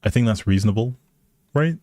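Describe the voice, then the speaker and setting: A man hosts a casual gaming livestream of a life simulation game, chatting politely with his viewers and thanking them. His voice sits fairly low and sounds mellow and expressive, with a slightly quick pace. There's no room sound, and music plays behind him.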